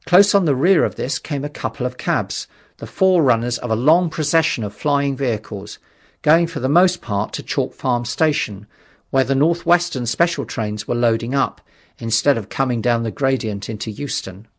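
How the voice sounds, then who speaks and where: Male audiobook narrator, measured and dramatic. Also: mid-range voice. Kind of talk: scripted literary narration.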